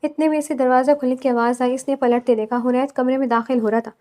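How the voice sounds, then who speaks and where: High-voiced woman narrating a romance novel. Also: steady tone, fast talker, darkish tone. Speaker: storyteller.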